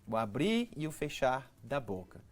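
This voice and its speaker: A man's voice: medium pitch, big pitch swings, moderate pace, soft background music. A Brazilian man speaks with a Brazilian Portuguese accent in a middle-range voice. He explains things patiently and step by step, like a teacher giving practical tips. He is a guest in a TV studio interview.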